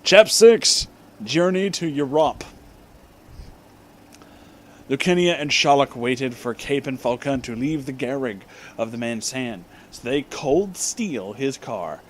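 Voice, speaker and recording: A man's voice: mid-range voice, a little hiss or hum. A man reading fan fiction aloud as a comedic dramatic reading, pronouncing the misspellings just as written and adding asides. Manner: deliberately reads misspellings as written.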